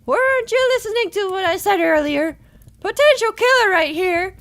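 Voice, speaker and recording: A woman's voice: extremely high pitch, animated, normal speed, a bit bright, no room sound, exaggerated voice. A woman voicing a hot-tempered, sarcastic young woman in a fantasy game, brash, snappy and taunting. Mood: suspicious.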